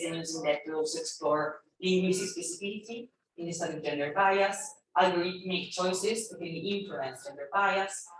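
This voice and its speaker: A young adult woman who is a native Italian speaker, introducing herself on a panel in a thoughtful, hesitant way with fillers. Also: lowish voice. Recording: echoey distant room mic, faint noise.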